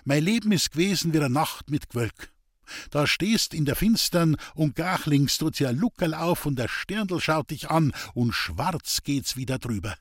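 A man's voice: a little high, lively intonation, a little slow, no room sound, studio quality. A man voicing a weary, bitter old village woman speaking in Bavarian dialect in a storybook reading. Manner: plaintive, bitter, resigned.

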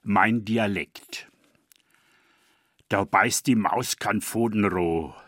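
Older man in his 70s, dialect poet, reads a scripted essay in a low voice with a dry, close sound. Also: fairly bright tone, dry recording. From Franconia, Germany. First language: East Franconian dialect. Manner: measured, deliberate reading. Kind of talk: scripted personal radio essay.

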